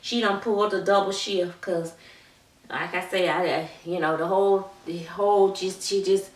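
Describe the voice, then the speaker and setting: A woman's voice: mid-range voice, steady tone, moderate pace, close to an everyday voice. A woman playing a gossipy, sassy middle-aged babysitter auntie, rambling chattily and calling everyone child and honey. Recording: roomy room, mic at a distance.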